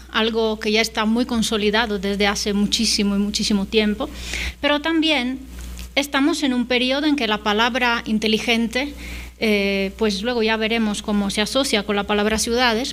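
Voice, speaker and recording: A middle-aged woman, a native Italian speaker, delivers an invited conference talk hesitantly, filling it with fillers and tag questions. Her voice is slightly high and a bit bright.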